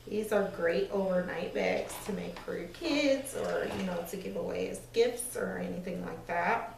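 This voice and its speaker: A woman in her thirties, slightly hoarse, giving a relaxed, chatty sewing tutorial while working at an ironing board in a small room. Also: fairly low pitch, normal speed, a little hiss or hum. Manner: relaxed, chatty step-by-step explaining with fillers. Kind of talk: casual craft tutorial. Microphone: far camera. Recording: echoey room, mic far off.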